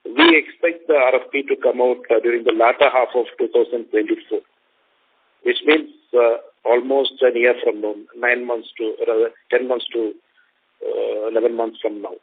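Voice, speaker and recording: Halting Indian man on a phone line. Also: mid-range voice, steady tone, husky. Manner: halting, measured, formal. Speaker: company executive answering analysts. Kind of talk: earnings call answers. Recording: narrow phone line with faint noise.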